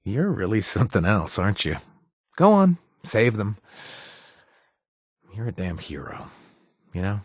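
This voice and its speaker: Flirty joking game sidekick, low husky voice, bounces around a lot. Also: male voice, sing-song, measured pace, long pauses, dry recording, clean studio sound, heavily acted. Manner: playful, teasing, flirty. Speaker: game companion character. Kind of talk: video game voice lines.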